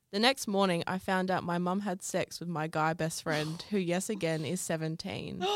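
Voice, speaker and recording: Someone with an Australian accent speaks at a moderate pace, with fairly even intonation and hardly any pauses. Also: woman, fairly low pitch for a woman. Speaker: podcast co-host. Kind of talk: casual chat.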